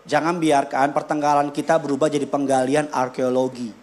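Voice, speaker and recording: A male pastor preaching a sermon in a church, repeating his points with emphasis and swinging between loud punches and quiet asides. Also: fairly high pitch, level tone, a little fast. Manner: emphatic, repeats key lines for the congregation.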